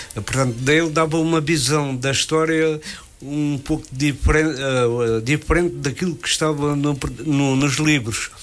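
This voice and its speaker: Over noticeable background noise, a man with a fairly high pitch speaks fairly slowly with fairly even intonation. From Portugal, Pinhal Novo (Setúbal). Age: 60s. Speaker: local community activist. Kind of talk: radio interview. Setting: radio studio. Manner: halting.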